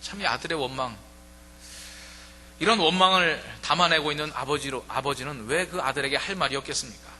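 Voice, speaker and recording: A man's voice: a little high, fairly quick, sharp tone, big-room sound. A man pastor giving a conversational sermon, acting out quoted voices as he preaches. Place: church sanctuary.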